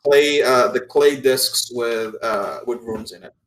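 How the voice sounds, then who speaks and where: A man's voice: medium pitch, slow, a bit bright. Man game-mastering in an echoey room. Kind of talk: narrating a tabletop game.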